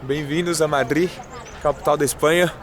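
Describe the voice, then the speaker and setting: A Brazilian man, a native Portuguese speaker with a Brazilian accent, hosts a street travel vlog and chats casually. His voice is slightly high, with fairly even intonation and a moderate pace. He is outdoors on city streets, with a busy crowd audible around him.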